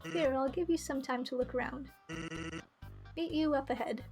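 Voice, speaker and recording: A woman's voice: sits high, steady tone, moderate pace, gravelly. A woman voicing an easygoing, joking male skeleton from a visual novel game, in a casual, friendly manner. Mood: laid-back, friendly. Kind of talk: visual novel character read aloud. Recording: music behind the voice.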